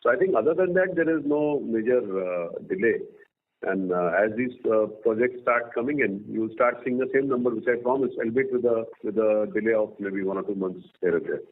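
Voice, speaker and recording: A man with an Indian accent speaking as a company executive, answering questions on an earnings call in a halting way with pauses mid-sentence. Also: on the low side. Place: conference call line. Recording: noisy phone line with clicks.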